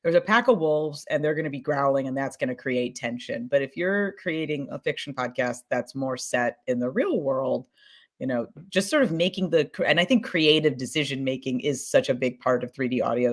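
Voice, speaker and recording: A woman's voice: very deep voice, brisk. A woman in a casual panel discussion, speaking as a podcast producer in informal, circling phrases. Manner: informal, circling phrasing with many "you know" and "like".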